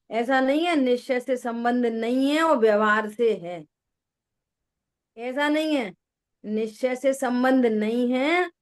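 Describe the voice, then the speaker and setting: Female spiritual teacher, fairly high voice, slow deliberate delivery, quizzes her listeners. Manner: asks listeners questions, repeats key words. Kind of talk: slow religious discourse with listener check-ins.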